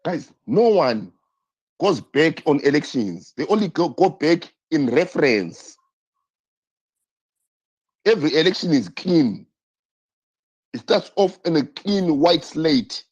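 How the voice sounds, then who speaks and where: Speaking slowly with many pauses, a male live-stream host argues politics in an impassioned, repetitive way full of rhetorical questions. His voice is a little high, a touch mellow and husky, with big pitch swings, and the stream audio sounds dull and lo-fi.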